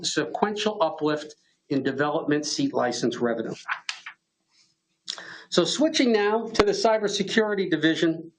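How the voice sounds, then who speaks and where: A man giving a scripted earnings call presentation as a company executive, in a formal, measured business manner. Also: high-pitched, low-quality recording.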